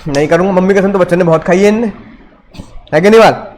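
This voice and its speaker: A man from India teaching commerce in a classroom lecture, animated and firing rhetorical questions at his students. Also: high voice, quick pace, slight background noise.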